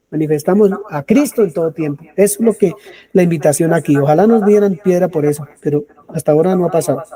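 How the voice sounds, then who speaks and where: Male preacher with a high, warm voice, teaching with questions. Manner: asks the congregation rhetorical questions, then answers them. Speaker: preacher leading a Bible study. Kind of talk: sermon.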